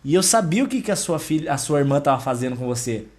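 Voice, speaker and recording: Gentle forgiving storybook father, as a preacher puts him on, quiet, reassuring, fairly high male voice. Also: animated, fast, close to an everyday voice. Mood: tender forgiving. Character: loving but stern father forgiving his son.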